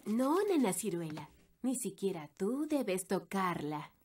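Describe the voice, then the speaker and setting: Cartoon fairy queen and mother: gentle but firm, slightly husky, lively Latin American Spanish intonation. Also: mid-range voice, slow pace, full character voice. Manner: poised, instructive. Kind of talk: children's cartoon dub.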